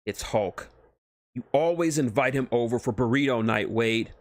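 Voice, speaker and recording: A man voicing a stern, exasperated wife with a flat, scolding manner in a comic story reading. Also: medium pitch, moderate pace, no room sound, studio quality, natural voice.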